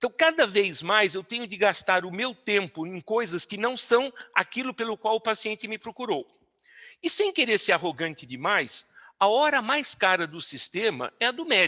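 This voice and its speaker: Against a quiet background with a dry, close sound and no echo, a man speaks at a moderate pace in a raised, projected voice, his high pitch carrying a bright, sharp tone and lively intonation. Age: 60s. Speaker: physician. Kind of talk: presentation.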